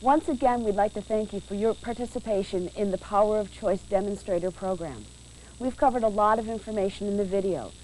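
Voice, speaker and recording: A woman reading a scripted instructional narration for a training video in a clear, measured, instructive way, heard from a worn VHS tape copy. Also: medium pitch, mellow, slight background noise, rough recording.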